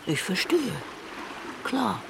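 A female shark in a naturalistic radio play. Her voice is low and full of gravelly creak, her manner laconic and deadpan but caring. Faint water sounds lie behind her. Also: slow, heavily acted. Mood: deadpan, sympathetic. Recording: faint watery background noise, boat-like ambience. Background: lapping water and sea ambience.

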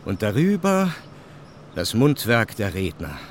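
An actor playing a disgusted poet descending through hell, declaiming in short phrases in a radio play. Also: male voice, on the low side, very animated, a little slow, slight background noise. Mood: bitter, disgusted. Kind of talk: German radio play, poetic recitation of a modernist epic.

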